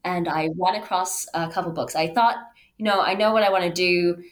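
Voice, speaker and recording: A woman in her thirties from Canada, a podcast guest telling her own story conversationally in an animated way. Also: on the low side, a little fast. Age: 30s. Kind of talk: conversational interview, personal storytelling.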